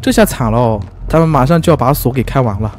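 A man giving lively, teasing commentary as he plays a video game, full of exclamations. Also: mid-range voice, fast, slight background noise. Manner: excitable, teasing, frequent exclamations and laughs. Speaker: gaming YouTuber. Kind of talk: let's play commentary.

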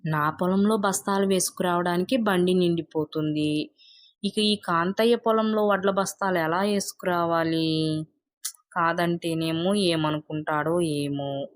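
A woman's voice: lowish voice, steady tone, measured pace, lightly acted. A woman voicing a meek male farmer in a storybook tale, hesitant and fretting. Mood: worried. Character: meek farmer man, reluctant and over-polite.

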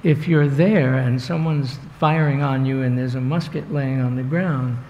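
A man speaking on a panel discussion in an auditorium, thoughtful and halting, with restarts. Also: mid-range voice, steady tone, slight background noise. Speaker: panelist, author. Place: auditorium stage before an audience. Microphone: table microphone. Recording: roomy hall, muffled sound, faint ambience.

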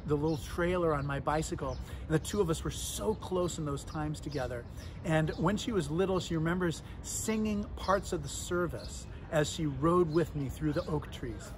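A middle-aged man, dean of a cathedral, giving an earnest, conversational short sermon outdoors beside a stone chapel. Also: a little high. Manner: warm, earnest, conversational with fillers. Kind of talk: reflective short video sermon. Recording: outdoor street noise behind.

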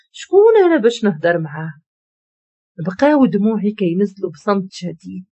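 A woman with a Moroccan Arabic accent narrates a first-person story in an emotional, confessional tone. Her voice is husky and moves widely in pitch. The recording sounds dull and lo-fi. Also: warm tone.

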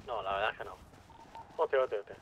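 A man's voice: on the low side, quick pace, a bit bright. A man with an accent from Spain talking casually as a player in an online game. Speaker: gamer role-playing online. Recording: dull voice chat, faint noise.

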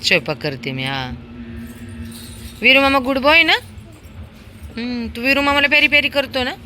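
A woman's voice: high-pitched, animated, moderate pace, pushed and bright, a little hiss or hum. A woman chatting casually on her terrace as she films her dog and a small child, coaxing them along in a sing-song baby-talk voice. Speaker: pet owner filming her dog and a child. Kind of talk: casual home video chat. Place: home terrace outdoors.

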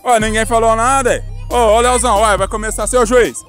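A man's voice: very high-pitched, fairly quick, soft background music. A young Brazilian man casually commentating an outdoor street football game, calling out to players and teasing them. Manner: excitable, calls out to players, playful teasing. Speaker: host and match commentator.

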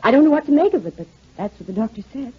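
An actress playing a composed, well-mannered new widow with a breathy voice in a 1940s radio drama. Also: female voice, sits high, very animated, racing, full character voice. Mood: subdued. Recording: muffled 1940s radio recording.

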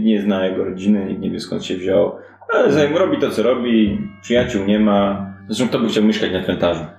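Man playing an offhand, low-voiced female crime boss. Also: a little mellow. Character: female port crime boss, shrewd, dismissive informant. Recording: echoey room with clear background noise.

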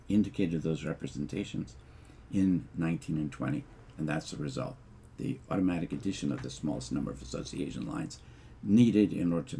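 An older man giving a measured lecture over slides, explaining step by step with fillers and restarts. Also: sits low, gravelly, a little mellow, husky. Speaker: linguistics lecturer.

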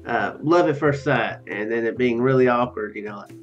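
Reading game text aloud in a mid-range voice at normal speed, this let's play host in his thirties rambles casually with musing asides. He records in a small room at home. The dull, lo-fi sound has game music in the background.

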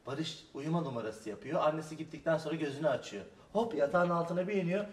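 A man's voice: fairly high pitch, fast talker. A man co-hosting and narrating a children's tale, playfully and with acted voices. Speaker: storyteller and co-host. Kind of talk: children's storytelling chat. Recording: echoey room from a distant mic, faint noise.

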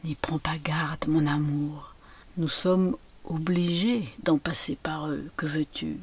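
A woman's voice: deep voice, steady tone, slow, breathy edge, full character voice. A woman reading aloud and voicing a grieving woman who murmurs tenderly to her dead lover. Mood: hushed. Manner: hushed, intimate murmuring.

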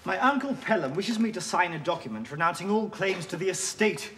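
A man's voice: high-pitched, lively intonation, a little fast, fairly bright tone. An actor with a British accent playing a stoic, defiant young man held in a dungeon. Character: defiant imprisoned young male nephew.

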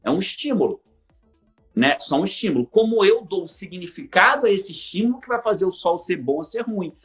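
A man's voice: high-pitched, brisk, soft background music. A man with a Brazilian accent, a coach telling stories on a live stream, acting out dialogue and swearing casually. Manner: animated storyteller who acts out quoted dialogue and swears casually. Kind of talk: energetic live-stream talk.

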